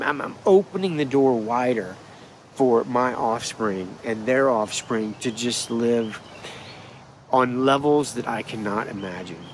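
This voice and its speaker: A middle-aged man with a congested, nasal voice speaks to his camera in a leafy yard, rambling and restarting as he goes. Faint insects and far-off traffic sit softly behind him. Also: medium pitch. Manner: rambling, animated, restarts often. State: stuffed-up, nasal. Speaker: spiritual healer. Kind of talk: casual vlog monologue. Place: outdoors in a wooded yard. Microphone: phone or camera at arm's length.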